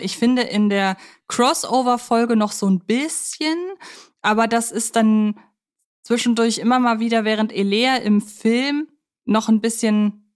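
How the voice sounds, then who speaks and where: A woman's voice: on the high side, clean tone. A woman co-hosting a film analysis podcast, talking conversationally in a reflective, articulate way. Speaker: podcast co-host.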